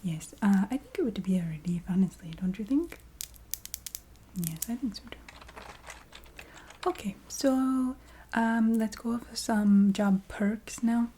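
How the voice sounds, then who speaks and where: A woman voicing a chatty, businesslike vampire recruiter in a soft whispered ASMR roleplay. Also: mid-range voice, slow pace, pauses often, a little hiss or hum, lightly acted. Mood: breezy, coaxing. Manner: hesitant, matter-of-fact, checking in with the listener.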